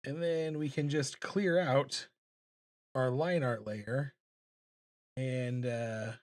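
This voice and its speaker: A man hosts a relaxed drawing livestream at an unhurried pace. He thinks out loud and mumbles a little, with a self-deprecating manner. His pitch sits in an ordinary male range. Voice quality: deep voice. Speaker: livestreaming illustrator and host. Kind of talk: casual livestream chat while drawing. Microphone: streaming microphone.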